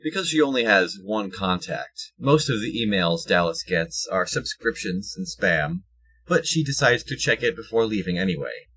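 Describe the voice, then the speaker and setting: A man narrates an audio drama from a script. His voice is very low and noticeably husky. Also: animated, normal speed, pushed and bright, poor audio.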